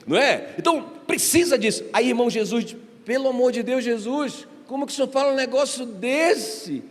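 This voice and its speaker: Emphatic pastor preaching. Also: male voice, very high voice, animated, moderate pace. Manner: emphatic preaching, addresses congregation often. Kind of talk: sermon. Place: church hall. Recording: reverberant church hall.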